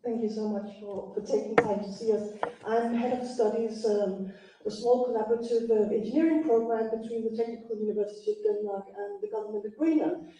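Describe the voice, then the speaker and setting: A woman with a slightly high but very dark voice asks a question from the audience. She sounds earnest and halting, picked up from afar in a very echoey room. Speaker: head of studies, audience questioner. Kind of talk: personal question to a speaker. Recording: very echoey, distant room pickup.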